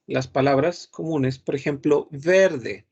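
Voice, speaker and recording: A man's voice: a little high, slow pace, a little mellow, husky, muffled recording. A man teaching a patient grammar lesson online, repeating each word and humming while he thinks. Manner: patient, repeats words several times, thinks aloud with hums. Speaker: French teacher.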